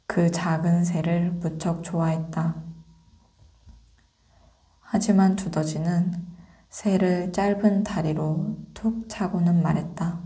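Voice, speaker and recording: Female ASMR storyteller, soft and breathy, very even intonation, dark mellow tone, gentle unhurried reading. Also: lowish voice. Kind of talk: whispered ASMR fairy-tale reading.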